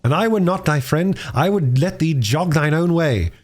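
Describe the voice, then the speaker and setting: Man voicing a lively, higher-pitched young squire. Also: moderate pace. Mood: chiding. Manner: archaic, scolding phrasing. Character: chiding young male squire, brotherly, in archaic speech.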